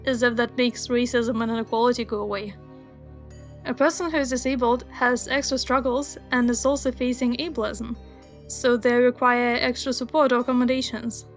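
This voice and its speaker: A young woman whose first language is Russian, narrating a scripted video essay in an earnest, wry, explanatory way. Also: high-pitched. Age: young adult.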